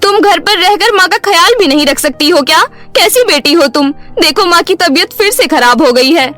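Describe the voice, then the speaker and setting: A woman voicing an earnest, hard-working young village daughter in an animated bedtime story. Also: very high-pitched, normal speed, soft background music, exaggerated voice. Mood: scolding, upset. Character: hard-working, caring young village daughter, scolding her lazy sister.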